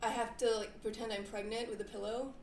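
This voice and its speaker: A woman in her thirties chatting casually on a live stream, sounding stoned, spacey and halting as she rambles through her commentary. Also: fairly high pitch, fairly even intonation. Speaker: streamer reacting to a debate. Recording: roomy echo, noticeable background noise.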